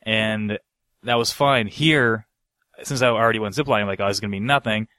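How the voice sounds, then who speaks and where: A man's voice: fairly low pitch, moderate pace, bright, forceful tone, smooth, no echo. A man co-hosting a podcast, telling anecdotes in a casual, slangy, rambling way with some swearing. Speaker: podcast co-host.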